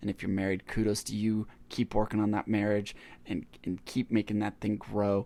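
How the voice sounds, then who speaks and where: Fairly low-pitched male speech at a moderate pace, dark and mellow in tone, monotone and flat in intonation, on a very clean recording with a silent background. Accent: slight Southern US. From Pennsylvania, later US South. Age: 40s. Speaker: podcast host. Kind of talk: casual monologue. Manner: rambling, halting with repetitions.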